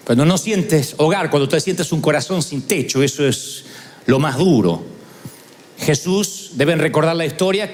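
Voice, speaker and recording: A male pastor, preaching a sermon through animated, humorous storytelling. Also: fairly high pitch.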